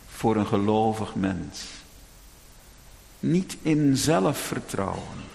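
A man preaching a sermon dramatically, moving between raised pleading and hushed, low tones. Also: vocal fry, in a large hall, a little hiss or hum.

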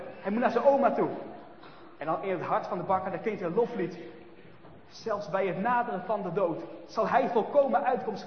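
Brief: male storyteller for children, expressive, hushed to loud, high voice, echoey hall. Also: a little hiss or hum. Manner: lively and expressive, swinging between hushed and loud. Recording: echoey hall, dull sound, faint ambience.

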